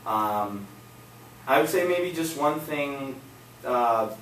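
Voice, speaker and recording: A man's voice: medium pitch, expressive, slow pace, a bit bright, a little hiss or hum. A young man, a student, giving upbeat, hesitant feedback on a classmate's speech. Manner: hesitant, upbeat, lots of ums. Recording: echoey room from a distance.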